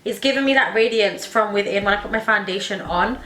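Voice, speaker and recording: Bright, chatty young woman. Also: medium pitch, fairly quick, echoey room, a little hiss or hum, poor audio. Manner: chatty, enthusiastic, many "like" fillers. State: wheezy from hay fever. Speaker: beauty vlogger. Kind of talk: casual makeup tutorial chat. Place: home makeup room, indoors.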